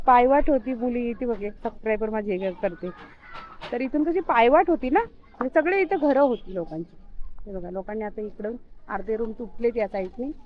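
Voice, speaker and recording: A woman's voice: fairly high pitch, lo-fi sound. A woman vlogging casually as she walks her dog outdoors on an open hillside, talking in a chatty way with lots of fillers. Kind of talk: casual vlog chat.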